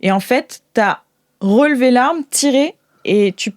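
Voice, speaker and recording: A woman with a French accent improvising narration as game master of a tabletop role-playing game, thinking aloud in halting phrases. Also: a little high, animated, dry recording, studio quality. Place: studio.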